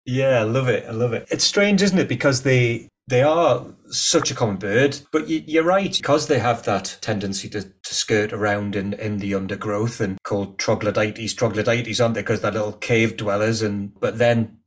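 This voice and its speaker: A man's voice: lowish voice, normal speed, few pauses. A man hosting a podcast, chatting casually and joking with his guest. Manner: jokey, laughs easily. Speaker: podcast host. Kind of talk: casual interview chat.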